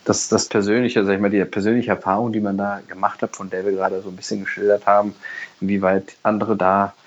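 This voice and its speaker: A man's voice: lowish voice, flat delivery, fast. A man in his mid-thirties co-hosting a podcast, speaking hesitantly with many fillers. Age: mid-30s. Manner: hesitant, many fillers, short backchannel replies. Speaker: podcast co-host. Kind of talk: casual chat. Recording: dull lo-fi sound.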